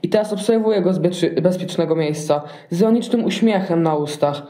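A man acts out a cocky, mocking Wise Man for a nativity audio play. The voice is high for a man and softly dark, with flippant, sarcastic phrasing. There is a roomy echo around it. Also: fairly quick, close to an everyday voice. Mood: skeptical, ironic. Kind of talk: amateur nativity radio play, colloquial.

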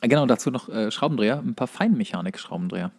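A man's voice: medium pitch, animated, fast, darkish tone. A man chatting casually as a podcast co-host. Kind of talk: casual chat.

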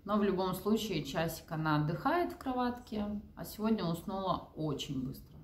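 A woman's voice: lowish voice, expressive, moderate pace. Chatty woman vlogging in an echoey room. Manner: chatty, informal, conversational. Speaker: vlogger and mother of young children. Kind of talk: casual vlog chat, talking to camera and to her toddler. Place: living room and bedrooms at home, indoors.

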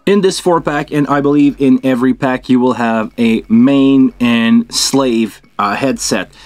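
Sitting at a table in a small indoor studio, a middle-aged video host unboxes and reviews a product, thinking out loud informally as he handles the gear. His voice is medium-pitched and darkish, his pace unhurried, and there is no room sound.

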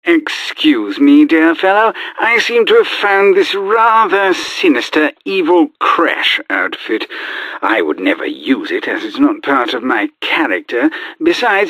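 Pompous, high-pitched British gentleman. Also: dry recording, full character voice. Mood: genteel, persuasive. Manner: pompous, genteel, theatrical. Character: pompous posh British gentleman costume seller, fussy and condescending. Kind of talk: video game character acting.

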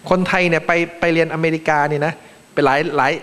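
A Thai man from Thailand, a panel speaker giving a joking, animated seminar talk in a large conference room. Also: a little high, quick pace. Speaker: panel speaker, acting vice president. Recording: long reverb of a large hall.

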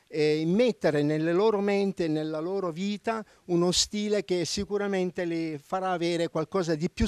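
A man with a slightly high, smooth voice speaks earnestly about the future in a formal tone. The sound is dry and close, recorded outdoors. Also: a little mellow, no room sound. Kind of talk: formal speech.

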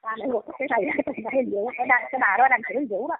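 A woman's voice: on the high side, very fast, slightly rough, no room sound. A middle-aged woman with a Southern Vietnamese accent calls in and delivers a heated, scolding monologue. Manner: scolding, indignant. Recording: tinny dry phone line.

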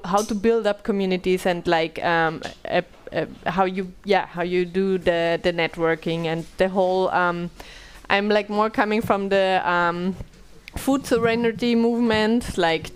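A woman in her thirties from Austria moderates a conference panel in English in a small, bright meeting room, speaking through a headset mic. Her voice is lowish and smooth, and she uses many fillers and restarts.

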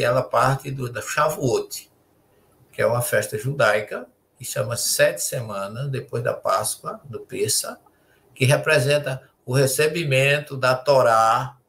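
Gravelly older man explaining on a video call. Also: mid-range voice, a bit bright. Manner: measured, explaining with restarts. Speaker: spiritist lecturer. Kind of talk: explanatory panel talk.

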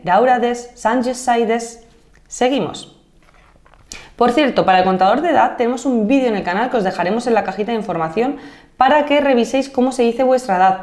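A woman of thirty from Madrid with a Castilian Spanish accent, teaching a Japanese lesson on video. She explains each point clearly, slowing down to model phrases and checking in with "¿vale?". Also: fairly high pitch, darkish tone. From Spain (Madrid). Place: indoor room against a plain white backdrop.

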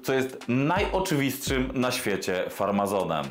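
A man's voice: big pitch swings, unhurried, soft background music. Sarcastic swearing man, roomy echo. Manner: sarcastic, swears freely, drops low for emphasis. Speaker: commentary vlogger. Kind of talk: scripted commentary rant. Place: small indoor room with desk and monitor. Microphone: lapel mic.

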